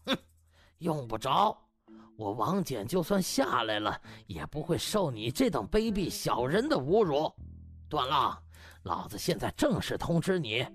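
A man's voice: on the high side, big pitch swings, measured pace. A man voicing a proud, defeated older hospital director in an audiobook, glowering and curt with anger. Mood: defiant fury. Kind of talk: audiobook character acting.

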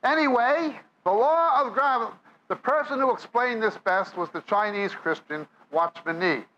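High bright New York preacher. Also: male voice, expressive, moderate pace, highs cut off, a little hiss or hum. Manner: reads scripture aloud, then explains it. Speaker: Bible teacher. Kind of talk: sermon. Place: church or meeting hall with audience.

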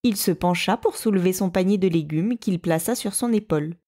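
A woman storyteller reading a children's story aloud with an expressive, lively delivery. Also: lowish voice, brisk. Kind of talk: storybook read-aloud narration.

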